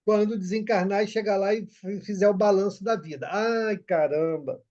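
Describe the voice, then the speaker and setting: A man's voice: high-pitched, level tone, brisk, mellow, highs cut off. A man coordinating a group study discussion, repeating his points for emphasis.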